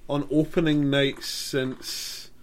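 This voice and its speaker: A man co-hosting a casual film podcast, speaking in a measured, hesitant way with frequent ums. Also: fairly high pitch, level tone. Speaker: podcast co-host. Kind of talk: casual chat.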